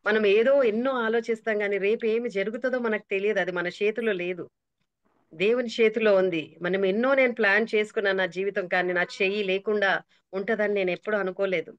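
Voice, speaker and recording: A middle-aged woman preaches an emotional testimony in an earnest voice, now and then dropping in English phrases. Her voice comes through a dull, muffled call line with no room echo. She speaks at an ordinary middle pitch. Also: steady tone, a little fast. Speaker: prayer group speaker.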